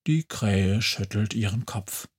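Slow, husky male storyteller. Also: on the low side. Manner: calm, deliberate storytelling. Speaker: narrator. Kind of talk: storybook narration.

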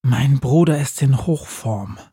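A man's voice: slow pace, warm tone, husky, no room sound, studio quality. A man voicing a bossy, scolding little witch who hisses and nags at her brother. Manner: hissing, scolding, shrill.

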